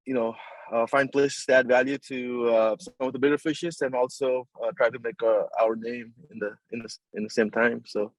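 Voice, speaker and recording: A man's voice: medium pitch, little pitch movement, moderate pace, no room sound, poor audio. A man from Nepal, a construction company chief, answering interview questions casually, with many fillers and restarts and a polite "yes, sir". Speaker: construction company CEO, guest.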